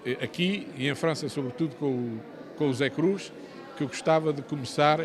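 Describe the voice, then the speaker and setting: An older man with a European Portuguese accent, an author talking in an interview with many hesitations and restarts. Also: on the high side. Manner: halting, many fillers and restarts. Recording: outdoor crowd chatter behind.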